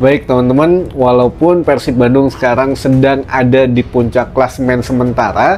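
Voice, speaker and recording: At a moderate pace and with hardly any pauses, a man speaks at a medium pitch with very even loudness and fairly even intonation over noticeable background noise. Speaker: football news vlogger. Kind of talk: casual vlog commentary. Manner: casual, with many fillers.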